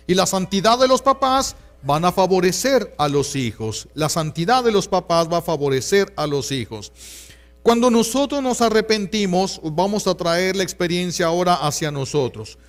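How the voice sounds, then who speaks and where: A Catholic priest with a Mexican Spanish accent preaching a sermon in an earnest, pastoral way, repeating key phrases for emphasis. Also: male voice, high voice.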